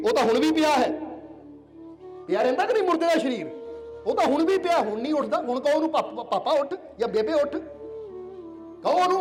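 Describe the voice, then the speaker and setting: A man preaching a devotional sermon at a village gathering, often asking his listeners questions and having them repeat lines after him. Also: very high voice. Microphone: collar mic. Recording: clear music behind the speech.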